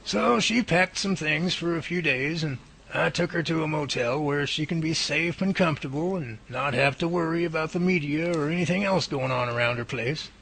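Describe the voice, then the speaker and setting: A man's voice: fairly high pitch, moderate pace, creaky, few pauses, fairly bright tone, slight background noise, low-quality recording. A man playing an earnest, reassuring professor who studies Bigfoot, explaining things emphatically in a radio drama. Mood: calm. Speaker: Bigfoot researcher character. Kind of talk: amateur radio drama dialogue.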